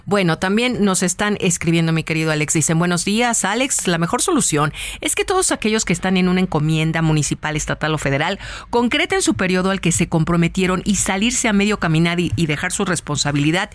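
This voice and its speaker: A woman's voice: on the low side, animated, quick pace, no echo. A woman with a Mexican accent co-hosting a live radio news show, reading out listener messages with friendly asides. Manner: chatty, reads messages aloud with warm asides.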